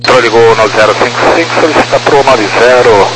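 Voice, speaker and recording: A man's voice: medium pitch, fairly quick, fairly bright tone, slightly rough. A man with a Brazilian accent, a pilot making clipped calls and readbacks over a walkie-talkie style radio. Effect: over walkie-talkie style aviation radio. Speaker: airline pilot. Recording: very noisy humming aviation radio.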